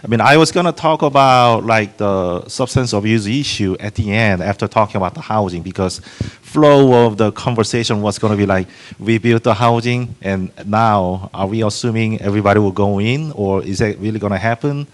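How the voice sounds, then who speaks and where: A man's voice: on the low side, normal speed, few pauses. A man moderating a panel in a casual, loose way, full of fillers and brief laughs, handing the floor to a guest. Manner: casual and apologetic, laughs easily, uses many fillers.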